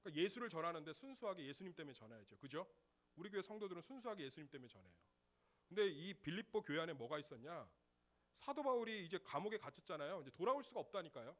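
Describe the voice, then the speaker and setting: Man, middle-aged, pastor, sermon, slightly high voice, chatty rhetorical questions, call-and-repeat. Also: sing-song, quick pace. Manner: conversational preaching with rhetorical questions; leads congregation in call-and-repeat.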